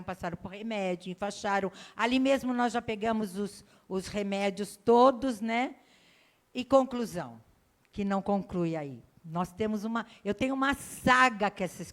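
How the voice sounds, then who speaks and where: A middle-aged woman missionary preaching in a church, telling a personal story and acting out the dialogue for the congregation. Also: fairly high pitch. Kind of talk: sermon storytelling.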